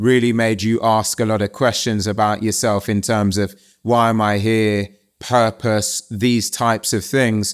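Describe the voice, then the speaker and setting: A man's fairly low voice, a normal speaking voice, with fairly even intonation and a fairly slow pace on a very clean recording with a silent background. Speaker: podcast host. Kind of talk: interview with scripted intro and ad read.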